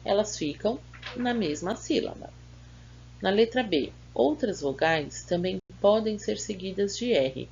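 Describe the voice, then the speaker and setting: Slow, gravelly Brazilian teacher woman. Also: medium pitch, lively intonation, darkish tone, muffled recording, slight background noise. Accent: Brazilian Portuguese. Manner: slow, patient, spells words syllable by syllable. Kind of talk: correcting schoolbook exercises.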